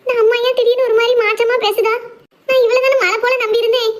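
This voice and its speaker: A woman voicing an upset teenage daughter, shrill and pleading. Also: level tone, quick pace. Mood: dismayed.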